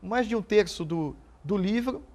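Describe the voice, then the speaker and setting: A Brazilian man in his forties, a police officer and writer, answering interview questions in an earnest, halting way. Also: high-pitched, expressive, darkish tone. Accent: Brazilian Portuguese. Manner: earnest, halting, repeats words while thinking.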